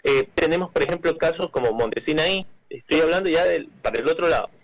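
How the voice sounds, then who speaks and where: Hesitant, higher-voiced Ecuadorian man. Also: fast, rough recording. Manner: hesitant, repeats words and restarts often with many "eh" fillers. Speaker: cultural manager, interview guest. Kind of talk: explanatory interview answers.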